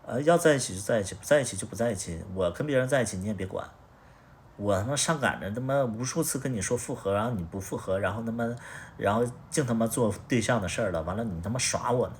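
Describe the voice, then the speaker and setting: A young man tells a personal story on a livestream, talking in a low voice. He rambles bluntly and swears freely. Faint room ambience sits behind him. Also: a little hiss or hum. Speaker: livestream host.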